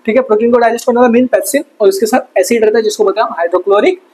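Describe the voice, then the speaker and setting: A man teaching a fast exam revision lesson, casual and chatty, asking quick questions and answering them himself. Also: very high-pitched, darkish tone, slightly rough, poor audio. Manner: quizzes himself with quick call-and-response questions. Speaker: science tutor.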